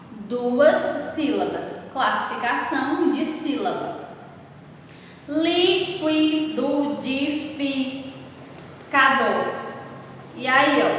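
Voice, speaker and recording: Brazilian Portuguese woman teacher, patient and unhurried, recorded at a distance with a long reverb and faint hiss. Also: sits high, fairly bright tone. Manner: patient, checking in with "né?" and "certo?". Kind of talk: slow spoken class lesson. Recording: echoey room, far from the mic, faint noise.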